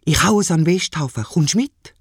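A man with a Swiss German accent voicing an eager five-year-old boy who loves birds, calling out high and pleading. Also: expressive, brisk, husky, dry recording, clean studio sound.

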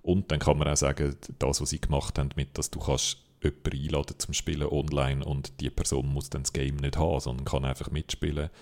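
A man's voice: rumbling low, brisk, hardly any pauses. A man with a Swiss German accent, co-hosting a casual game podcast and arguing his picks with lots of fillers. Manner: animated, opinionated, many fillers. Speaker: podcast co-host.

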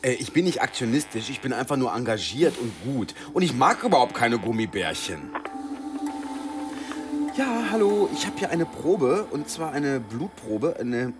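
A man's voice: mid-range voice, big pitch swings, unhurried, music in the background. An actor playing an eager, indignant male office worker in a radio play, flustered and self-important.

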